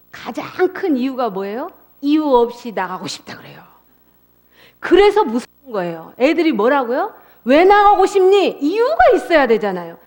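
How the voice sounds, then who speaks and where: A middle-aged woman giving a church family seminar, asking the audience questions and acting out the voices of parents and children. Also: on the high side. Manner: lively, asks the audience questions and acts out quoted voices. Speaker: seminar speaker. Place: church hall.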